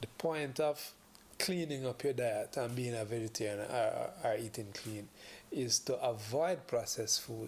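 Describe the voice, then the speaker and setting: A man speaks at a fairly slow pace in a Jamaican accent. His medium-pitched voice is somewhat breathy, with ordinary pitch variation. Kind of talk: casual podcast conversation.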